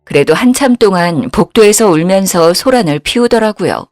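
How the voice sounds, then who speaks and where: A woman's voice: medium pitch, animated, moderate pace, darkish tone, no room sound, studio quality. A woman in her fifties telling her own story in the first person, indignant. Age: 50s. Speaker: narrator.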